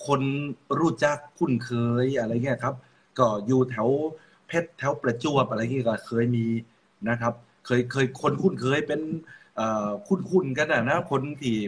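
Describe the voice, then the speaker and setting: A man's voice: medium pitch, moderate pace, a little hiss or hum. A man with a Rayong accent, chatting on a radio show and telling stories, often repeating words as he gets going. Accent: Rayong Thai. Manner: storytelling, repeats words when starting. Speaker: co-host. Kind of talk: casual radio chat.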